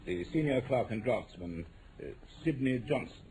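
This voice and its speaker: An actor playing a grave, precise, commanding English government official in a 1940s radio drama, speaking formally and emphatically. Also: male voice, medium pitch, expressive, normal speed, close to an everyday voice. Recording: old radio broadcast, faint noise.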